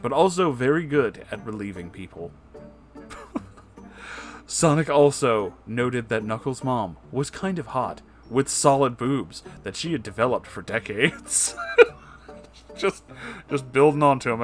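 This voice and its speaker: A man reading fan fiction aloud for comedy, mock-serious and amused, with dry asides. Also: medium pitch. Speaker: reader.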